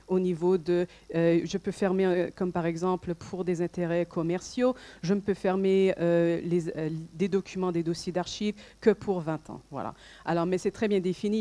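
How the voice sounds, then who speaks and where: A woman's voice: on the low side, warm tone. A woman from Canada with a Canadian French accent, giving a conference talk with many fillers and restarts. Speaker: speaker at a public debate.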